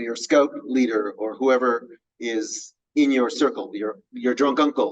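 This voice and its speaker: The voice sits at a medium pitch. It belongs to a man. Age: 60s. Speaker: professor reviewing a book. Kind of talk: live online book talk. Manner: halting, many fillers.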